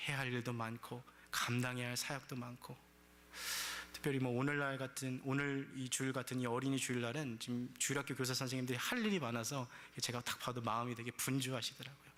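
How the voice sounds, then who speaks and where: A man's voice: mid-range voice, steady tone, fast, fairly bright tone, a little hiss or hum. A male pastor preaching a sermon, telling the story vividly and acting out complaints in quoted speech.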